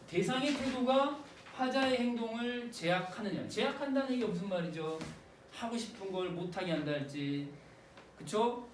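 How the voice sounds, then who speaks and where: A man teaching an exam-prep literature lecture in a lively, joking way, acting out lines as he explains. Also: sits high, reverberant, far from the mic, a little hiss or hum. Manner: lively and playful, jokes and acts out quotes.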